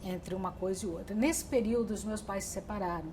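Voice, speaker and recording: Middle-aged woman telling her story slowly, lots of restarts, faint hiss behind. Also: mid-range voice, darkish tone. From Brazil. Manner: reflective, with frequent restarts and fillers. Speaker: interviewee. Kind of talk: oral history interview.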